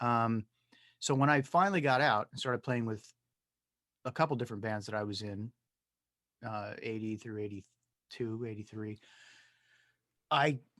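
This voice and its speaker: A man speaks at a moderate pace and a medium pitch. His pitch variation is ordinary, and the background is quiet. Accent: Californian. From Southern California, Riverside. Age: 60s. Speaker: musician, drummer. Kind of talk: podcast interview. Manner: casual, rambling with fillers.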